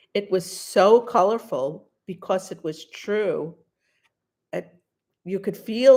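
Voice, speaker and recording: Speaking at a very slow pace, a woman with a New York accent has a dark, mellow tone. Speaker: writing coach. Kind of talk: tutorial.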